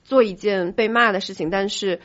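A woman's voice: medium pitch, moderate pace, a bit bright, dull audio. A woman co-hosting a podcast, explaining things at length in casual, enthusiastic conversation. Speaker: podcast co-host. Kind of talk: casual chat.

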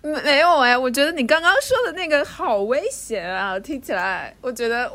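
A woman's voice: high voice, animated, normal speed, pushed and bright. A woman co-hosting a podcast, talking in a cautious, reflective way in casual chat. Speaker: podcast co-host.

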